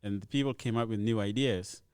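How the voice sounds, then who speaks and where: A man's voice: lowish voice, brisk, darkish tone, clear, resonant tone, dry recording, clean studio sound. A young man from Ethiopia, chatting easily as a comedian guest on a podcast and laughing often. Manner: easygoing storyteller, laughs often. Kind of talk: casual podcast chat.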